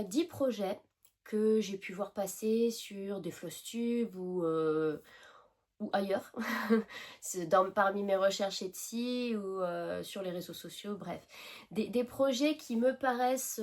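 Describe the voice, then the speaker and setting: A woman's voice: medium pitch, darkish tone. A woman with a French accent, chatting casually to camera about her hobby, hesitant with many fillers and restarts, her nose tickled by pollen. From France. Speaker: cross-stitch vlogger.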